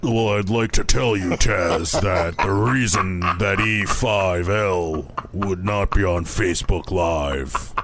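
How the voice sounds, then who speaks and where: A put-on character voice speaks at a very slow pace with hardly any pauses. Clear background noise runs under it. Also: man, very deep, low pitch for a man. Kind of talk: smooth, cool radio-host voice.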